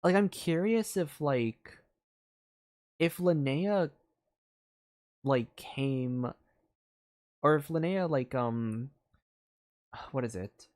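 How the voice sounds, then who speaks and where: A man's voice: fairly high pitch, extremely slow, long pauses, a little mellow. A man streaming a story game, thinking aloud in a rambling way, with many fillers and restarts. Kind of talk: casual live game commentary.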